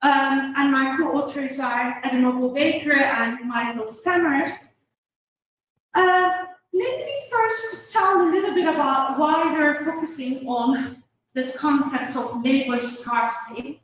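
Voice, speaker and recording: A woman's voice: sits high, slow pace, a bit bright. A woman from Turkey giving an academic seminar presentation as a guest university lecturer. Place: university seminar room, indoors. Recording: distant mic, very echoey room, faint noise.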